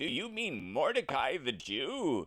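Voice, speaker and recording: At a fairly slow pace, someone speaks in an assumed character voice. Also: man. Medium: read story. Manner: theatrical, overblown villainy.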